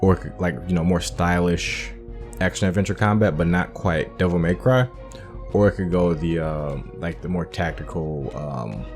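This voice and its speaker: Low-voiced male gaming host, casual rambling commentary, soft game music underneath. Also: normal speed. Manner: rambling, relaxed, many fillers.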